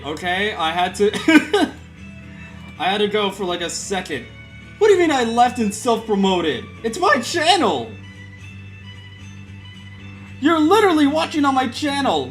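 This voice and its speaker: A young man hosting his channel in casual chat, rambling and giggling, swinging from quiet mumbles to loud outbursts. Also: a little high. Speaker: channel host. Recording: faint music in the background.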